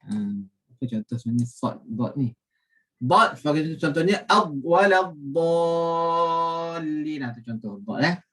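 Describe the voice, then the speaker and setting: A Malaysian man teaching Quran recitation rules, explaining with many fillers and reciting the words slowly and carefully. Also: medium pitch, animated, fairly bright tone, distant mic. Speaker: religious teacher.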